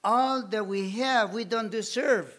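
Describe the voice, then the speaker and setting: Slow, high-voiced preacher. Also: male voice, a bit bright. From Bolivia. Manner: slow, emphatic preaching with repeated phrases. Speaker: missionary preacher. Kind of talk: sermon.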